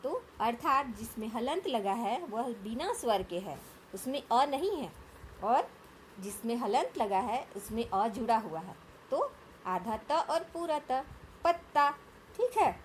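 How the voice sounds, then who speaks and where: Slow, patient woman teaching grammar. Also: fairly high pitch, big pitch swings, slight background noise. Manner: slow, patient explaining with frequent check-in questions. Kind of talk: Hindi grammar lesson.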